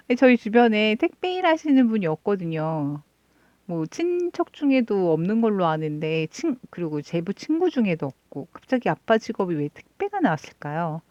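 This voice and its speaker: A woman hosting a knitting channel, chatting casually and rambling through stories in a soft, low-key voice as she knits. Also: big pitch swings, moderate pace, dry recording, lo-fi sound. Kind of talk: casual chat while knitting.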